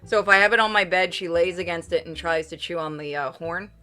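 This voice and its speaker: Bright-voiced woman streaming, playful and informal. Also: on the low side, fairly quick, soft background music. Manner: playful, informal, swears freely. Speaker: game streamer reading a visual novel aloud for chat. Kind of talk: casual livestream chat and read-aloud game narration.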